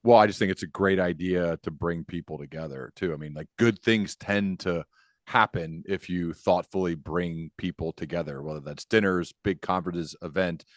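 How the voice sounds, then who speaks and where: A man's voice: low voice, normal speed, no echo, clean studio sound. A man interviewing a guest as a podcast host, conversational and earnest, feeling his way into his questions.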